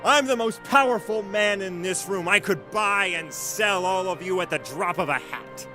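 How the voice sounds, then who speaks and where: A man's voice: high voice, normal speed, over music, lightly acted. A man playing a drunken, arrogant and bigoted rich bully in a scripted audio drama, sneering and belligerent. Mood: arrogant taunting.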